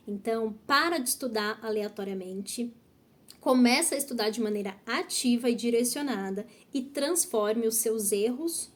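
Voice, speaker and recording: A woman's voice: fairly high pitch, a little mellow, a little hiss or hum. A Brazilian woman teaching Portuguese online, direct and encouraging, often checking in with "tá?". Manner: direct, encouraging, repeats key points with "tá?". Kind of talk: online language lesson.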